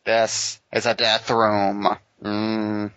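A man voicing a pompous, menacing villain who taunts a trapped victim with slow theatrical delivery. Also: on the low side, completely flat delivery, a bit bright, clear, resonant tone, dry recording, dull audio. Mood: smug menace.

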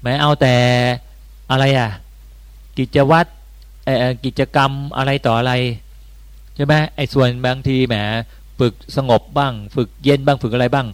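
A man's voice: medium pitch, normal speed. A Buddhist monk gives a dharma talk in an easygoing, conversational way, with sudden lifts of emphasis on key points. His male voice sits in the middle range. The sound is dry and close, with no room echo. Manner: conversational, animated, rising bursts of emphasis.

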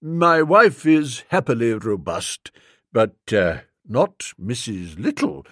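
A man's voice: mid-range voice, big pitch swings, takes it slowly, fairly bright tone, no echo, voice pushed down, heavily acted. Guy narrator doing stuffy old fat lord, formal and wordy, dry close sound. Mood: stately. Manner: stiff, formal, long-winded. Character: pompous elderly newly made lord, stout.

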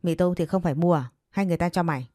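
A tired middle-aged mother, harsh and scolding, read by a woman narrator. The voice sits low and mellow. Faint music plays under a dry, close sound. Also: racing, no room sound, close to an everyday voice.

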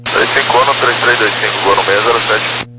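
A man's voice: medium pitch, normal speed. A man speaking as a pilot, making short readbacks over aviation radio. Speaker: airline pilot. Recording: very noisy cockpit radio transmission.

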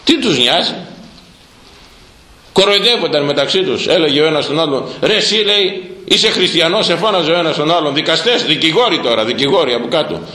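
A middle-aged priest delivering a sermon, dramatic and repetitive, his pitch swinging from high to low. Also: lively intonation, sharp tone, reverberant, poor audio. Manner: dramatic, repeating words for emphasis, swinging pitch. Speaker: Orthodox priest.

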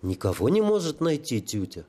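A man's voice: fairly high pitch, sing-song, moderate pace, warm tone, voice pushed up. A man voicing a tearful, simple-minded holy fool who talks about himself like a child. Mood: plaintive. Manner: childlike pleading, stuttering.

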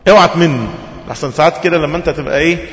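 A man with an Egyptian accent giving a colloquial religious lesson, animated and putting rhetorical questions to his listeners, recorded in a hall with a dull, lo-fi sound. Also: on the high side, rapid-fire. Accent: Egyptian Arabic. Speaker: preacher.

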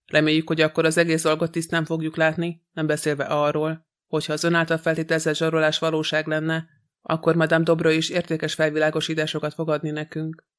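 A man reading a detective novel aloud as an audiobook narrator, in a measured, even way. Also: clear, resonant tone. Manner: even, measured reading with little pitch movement.

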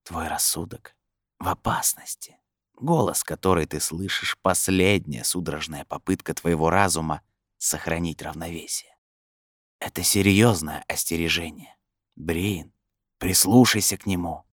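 A man performs a sinister voice in the head for an audiobook. It is hushed and whispery, low in pitch, ironic and admonishing. It presses its warnings in a dry, close sound. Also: lively intonation, normal speed, husky, no room sound, heavily acted. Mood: grave warning. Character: sinister disembodied inner voice, coldly insistent and mocking.

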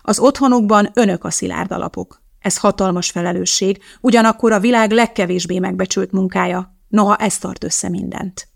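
A woman's voice: mid-range voice, fairly even intonation, vocal fry, few pauses. A woman reading the part of a precise, blunt woman chemist, lecturing in a matter-of-fact way.

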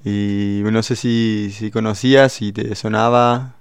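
Hesitant, smooth-voiced radio host man. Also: fairly low pitch, fairly even intonation, slow pace, dry recording, studio quality. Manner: hesitant, many restarts and fillers, playful. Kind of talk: casual radio chat. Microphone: studio microphone.

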